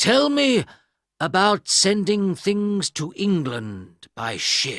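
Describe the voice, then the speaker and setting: A man puts on a high-pitched character voice and speaks at a very slow pace, recorded very cleanly against a silent background. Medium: read story. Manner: cold, commanding.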